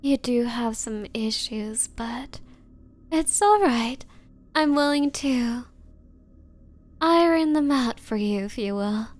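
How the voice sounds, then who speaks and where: A woman acts out an obsessive yandere bride for an anime-style ASMR roleplay. Her voice is high and she takes her time, cooing to the listener with coy, hesitant sweetness. Beneath the considerate manner she is possessive and menacing. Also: slow pace, long pauses. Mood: patronizing, coaxing.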